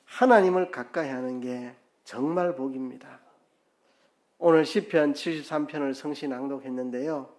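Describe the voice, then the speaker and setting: A man preaching a midweek church sermon, earnest, with his voice dropping softer at the ends of phrases. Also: medium pitch, normal speed. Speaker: pastor.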